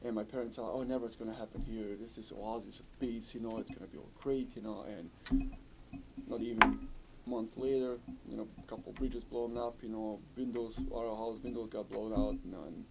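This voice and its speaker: A man's voice: lowish voice, steady tone, moderate pace, gravelly, very noisy. A man from Yugoslavia, recounting his story in an interview, talking fluently and saying "you know" often. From former Yugoslavia. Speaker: refugee interviewee. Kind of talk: recorded interview testimony.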